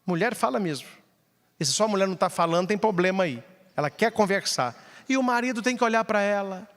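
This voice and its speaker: A Brazilian man preaches a sermon to a large crowd, his voice pitched high for a man and swinging widely as he teaches. He slips into humorous little exchanges between spouses to make his points. The sound carries a long reverb from a big hall. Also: fairly quick. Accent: Brazilian Portuguese. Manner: animated preaching, acts out couples' voices with humor. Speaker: priest. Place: large event venue.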